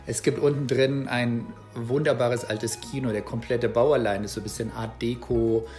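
A man's voice: mid-range voice, moderate pace. Guy in his 30s doing a chill travel vlog from his room, lots of ähms, music under it. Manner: relaxed, chatty, many fillers and restarts. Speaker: travel vlogger. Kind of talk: casual travel vlog to camera. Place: small room at home, indoors.

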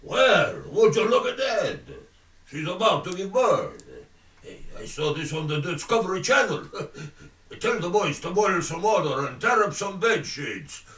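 A brash, bossy mob boss, as a man plays him, barking orders with a laugh in a high, lively voice. He sounds roomy and set back from the mic, like a homemade radio play. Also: unhurried, distant mic. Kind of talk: comedic audio drama.

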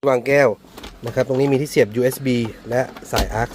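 A used car dealer with a Central Thai accent gives a casual walkaround vlog of a car's interior, speaking briskly in a mid-range, level voice against a noisy background. He's chatty, jokes at his own expense, and addresses viewers as older siblings.

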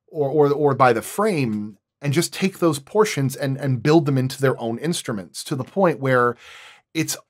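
A man's voice: medium pitch, lively intonation, normal speed. Man explaining his craft, thinking aloud. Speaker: sound designer, guest. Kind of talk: casual explanatory podcast talk.

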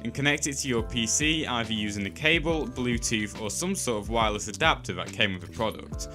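Male tutorial narrator, scripted delivery, animated swings in pitch, emphatic phrasing, light music underneath. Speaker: tutorial host. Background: background music.

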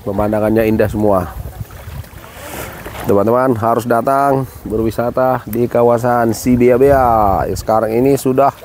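A man in his forties narrates a travel vlog outdoors in a relaxed, friendly way, exclaiming now and then at the scenery. His voice sits at an ordinary pitch for a man. It is caught on a handheld phone, with faint traffic and outdoor sound behind him. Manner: friendly, unhurried, exclaims at the views. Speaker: travel vlogger. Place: outdoors by a lake. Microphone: phone at arm's length.

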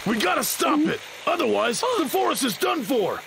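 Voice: high voice, very animated, moderate pace, vocal fry, noisy background, heavily acted. An actor voicing a bossy, sensible cartoon bear, an exasperated big brother who scolds and urges. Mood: urgent. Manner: scolding, urgent, exclaiming. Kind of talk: cartoon acting. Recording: loud music under the voice.

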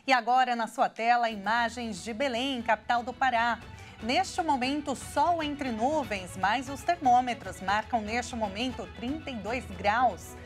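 A woman's voice: a little high, a little slow, soft background music. A Brazilian woman in her thirties presenting scripted TV news as an anchor in a studio.

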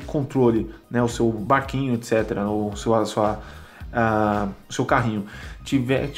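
A man with a Brazilian Portuguese accent explaining a product casually as a vlog host, chatty and often checking in with listeners. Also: mid-range voice. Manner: chatty, constant check-in tags. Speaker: drone channel host. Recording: loud wind and traffic noise.

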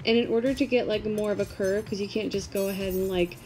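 A woman's voice: medium pitch, steady tone, quick pace, darkish tone, faint music behind. A young woman chatting casually in a vlog, talking in an easygoing way full of "like" fillers. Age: young adult. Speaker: vlogger.

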